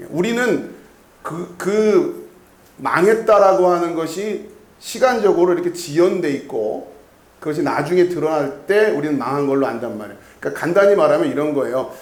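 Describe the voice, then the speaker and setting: This pastor's voice sits fairly high and moves at a normal speed, echoing through the sanctuary. His expository sermon feels like a conversation, full of questions to the congregation and repeated key words.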